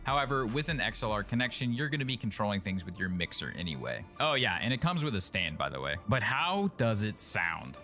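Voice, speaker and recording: A man in an upbeat, excited scripted review of a microphone. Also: fairly low pitch, a little fast, hardly any pauses, faint music behind.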